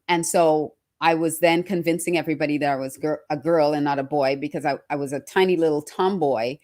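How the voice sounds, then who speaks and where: A woman from Trinidad and Australia giving a motivational talk as personal storytelling, emphatic and repeating phrases for effect. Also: sits low. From born in Trinidad, raised in Australia from early childhood. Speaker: personal branding speaker.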